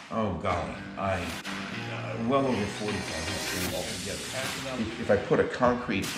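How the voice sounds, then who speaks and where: Clear music plays behind a man speaking at a moderate pace. There is audible room echo. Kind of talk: interview answer. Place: kitchen. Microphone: camera far.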